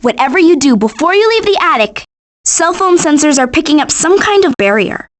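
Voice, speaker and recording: High-pitched, savvy teenage animal girl. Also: sing-song, a little fast, dry recording. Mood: urgent. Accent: American. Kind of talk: animated video game voice acting.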